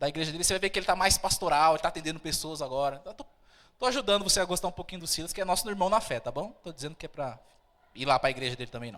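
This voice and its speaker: A man speaks at a very fast pace in a high pitch with lively intonation. His loudness swings widely. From Brazil, urban periphery. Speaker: pastor. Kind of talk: sermon. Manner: animated; casual, conversational.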